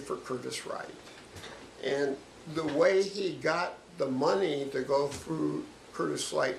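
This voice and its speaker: There's a clear echo from the room and a fair amount of background noise. Through it, a man talks rather slowly. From Oregon, US Pacific Northwest. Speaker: interviewee recalling his life. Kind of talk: oral history interview. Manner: halting, with false starts.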